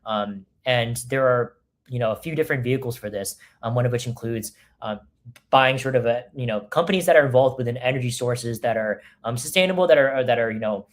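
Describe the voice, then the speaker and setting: A man's voice: medium pitch, a little fast. A man as a guest trader, talking casually and hesitantly with many ums and restarts. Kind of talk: casual discussion.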